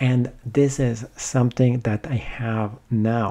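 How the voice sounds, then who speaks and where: A man speaks in a non-native accent. His tone is dark and mellow against a quiet background. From immigrant, not from an English-speaking country. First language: not English. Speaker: podcaster, teacher. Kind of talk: motivational talk.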